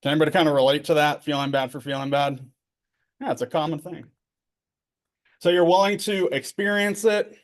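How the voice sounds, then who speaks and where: A middle-aged man with a relaxed drawl leads a therapy training session. He talks in an easygoing, joking way, checking in with his listeners and filling pauses as he explains ideas. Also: a little high. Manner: conversational, joking, many fillers and tag questions. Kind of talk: casual workshop lecture.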